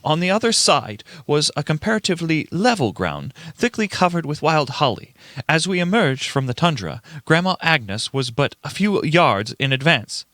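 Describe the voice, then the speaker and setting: Radio play witness: earnest, rattled young man played by a male reader, formal storyteller, very lively intonation, dry sound. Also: on the high side, moderate pace, dry recording. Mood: grave, measured. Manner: formal old-fashioned storytelling, stumbling over words. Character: young man writer testifying, earnest and unnerved. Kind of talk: dramatic radio play reading.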